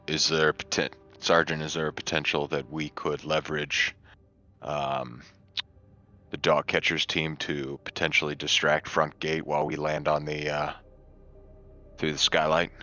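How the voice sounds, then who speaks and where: A man's voice: a bass voice, little pitch movement, unhurried, bright, forceful tone, soft background music. A man playing a tabletop game, hesitantly and politely proposing plans on a slightly dull voice track. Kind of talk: in-game planning chat.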